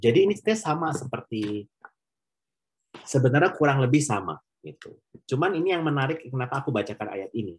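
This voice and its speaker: A man's voice: medium pitch, sing-song, fast talker, low-quality recording. A man preaching conversationally at an online prayer meeting, slipping English phrases into his talk. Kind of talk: casual sermon.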